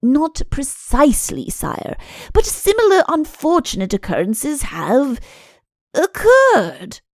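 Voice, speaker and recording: A woman's voice: sits high, wildly swooping pitch, slow pace, dry recording, studio quality, voice pushed up, heavily acted. A woman voicing an obsequious, cautious, long-winded male chancellor in a comic audiobook, pleading and deferential. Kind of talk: audiobook comic character acting.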